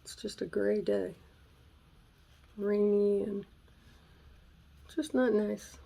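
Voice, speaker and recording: On a gray day in her home craft room, a woman who hosts a craft channel talks through a casual tutorial in a raspy, warm voice, musing aloud and slipping into whispers at times. Her pitch is medium, her intonation fairly even and her pace slow. She's captured by a camera mic that drifts close and away as she works.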